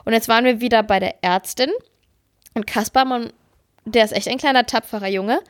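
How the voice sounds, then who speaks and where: A woman co-hosting a podcast, chatting casually and telling stories in a lively, self-mocking way. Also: on the high side, brisk. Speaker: podcast co-host. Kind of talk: casual chat.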